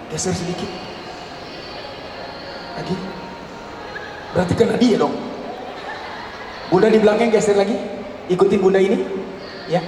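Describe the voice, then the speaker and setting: A man's voice: high voice, mellow. A man leading a storytelling workshop, talking to teachers in an emphatic, teasing way with rhetorical questions. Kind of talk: live workshop talk to teachers, theatrical storytelling. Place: large indoor hall at a live event. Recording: very echoey hall, far off, faint noise.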